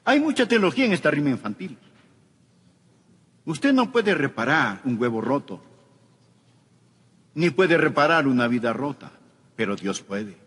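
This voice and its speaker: A man delivering a sermon, preaching emphatically and swinging between raised and hushed delivery. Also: on the high side, sing-song, unhurried, pauses often, slightly rough, in a large hall.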